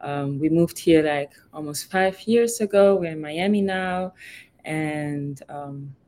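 A woman's voice: sits low, slow pace, a little mellow. A young woman from Germany, co-founder guest, introducing herself in a friendly way with frequent "um" fillers. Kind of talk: interview self-introduction.

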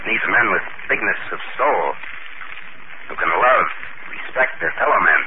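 A man's voice: low voice, lively intonation, moderate pace. An actor playing an earnest, reflective man who was once a giant, in a 1950s radio drama. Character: shrunken former giant, earnest idealistic man. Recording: tinny, hissy 1950 radio broadcast.

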